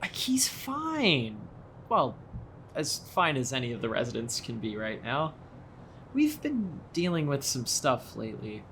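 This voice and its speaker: A young small-town local, played by an actor in an audio drama, friendly but worried. The voice is mid-pitched and moves up and down a lot in earnest, conversational speech. There is ambient noise faintly behind it. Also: huge pitch swings, unhurried, a bit bright, full character voice. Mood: worried, candid. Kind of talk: naturalistic audio drama acting.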